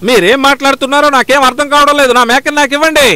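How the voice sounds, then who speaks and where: A man voicing an indignant, stubborn, suspicious villager in a dubbed cartoon, confrontational and demanding, with a shrill voice. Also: little pitch movement, racing, pushed and bright, no echo. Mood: angry demanding.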